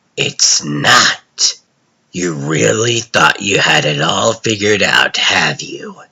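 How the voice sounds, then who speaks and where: A man puts on a raspy character voice, pitched fairly low. He speaks at a very slow pace. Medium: dub. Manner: menacing, taunting.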